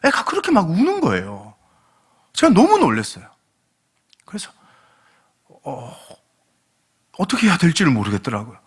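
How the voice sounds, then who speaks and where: A man in his late forties, a guest pastor delivering a sermon with humorous, animated storytelling. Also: a little high, normal speed, long pauses, breathy edge. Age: late 40s. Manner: animated, humorous storytelling that acts out quoted dialogue.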